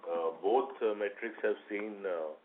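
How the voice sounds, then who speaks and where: A man with an Indian accent, a company executive giving measured answers on an earnings call. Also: lowish voice. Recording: noisy tinny phone conference line.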